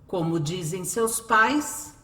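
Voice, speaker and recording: A woman's voice: lowish voice, lively intonation, takes it slowly, sharp tone. A woman with a Brazilian accent reading scripted narration for a radio drama. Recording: roomy echo, music behind. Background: music.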